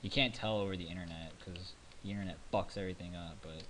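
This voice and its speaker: A man's voice: low-pitched, steady tone, fast talker, fairly bright tone, a little hiss or hum. A man from the United States hosting a game let's play, joking and rambling. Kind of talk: casual gameplay commentary. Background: keyboard clicking.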